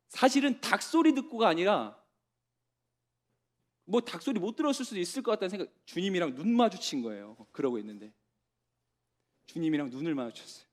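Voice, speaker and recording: A man preaching a sermon as pastor to young adults, telling the story with dramatic pauses and dropping to a soft voice for tender words. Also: sits high.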